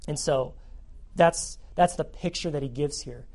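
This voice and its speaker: Animated male youth pastor preaching. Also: on the high side, measured pace. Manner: animated, repeats phrases for emphasis. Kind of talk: sermon.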